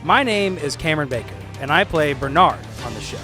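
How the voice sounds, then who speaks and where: Animated higher-voiced man narrating over music. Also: fairly quick. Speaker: podcast host and player. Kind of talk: scripted podcast intro narration.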